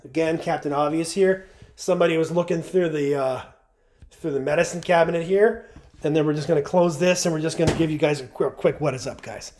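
A man's voice: a little high, fairly quick, darkish tone, a little hiss or hum. A man in his forties with a runny nose, chatting casually to viewers as he explores an empty abandoned house on a handheld camera. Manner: chatty, keeps addressing viewers as guys. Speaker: urban explorer vlogger. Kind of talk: casual walkthrough narration.

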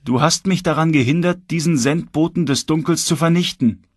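A man's voice: on the high side, moderate pace, no room sound, studio quality, pitched above the performer's own voice, natural voice. Man voicing a cold, relentless young magician. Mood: stern. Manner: stern, unwavering conviction. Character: cold uncompromising young male light magician.

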